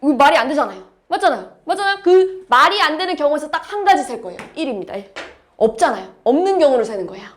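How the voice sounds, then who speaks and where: A woman's voice: high voice, big pitch swings, fast. A woman math teacher lecturing a class, explaining step by step and asking her students questions.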